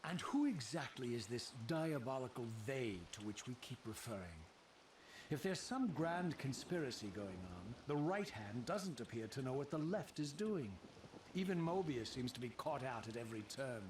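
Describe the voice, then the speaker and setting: An actor playing a proud, defiant undead wraith in a video game, with an eloquent, sardonic, theatrical delivery. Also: male voice, mid-range voice, expressive, moderate pace, reverberant, far from the mic, a little hiss or hum, close to an everyday voice. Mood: sardonic, questioning. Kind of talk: dramatic video game voice acting.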